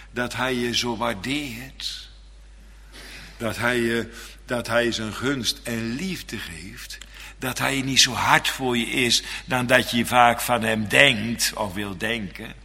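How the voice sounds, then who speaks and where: A man's voice: medium pitch, sharp tone, breathy edge. A male minister delivering an earnest, repetitive Reformed sermon in a church. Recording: long church reverb.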